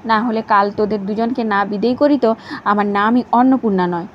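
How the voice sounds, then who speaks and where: A woman's voice: medium pitch, steady tone, a little fast, lightly acted. A woman voicing a stern older sister-in-law who scolds sharply, in a slightly dull recording with faint hiss. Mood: scolding.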